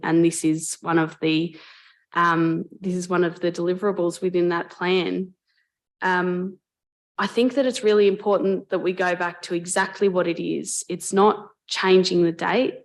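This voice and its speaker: An Australian woman, a mayor, speaking earnestly and in a measured way in a council debate, with frequent ums and restarts. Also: fairly low pitch. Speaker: mayor chairing a council meeting. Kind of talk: formal council debate speech. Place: council chamber.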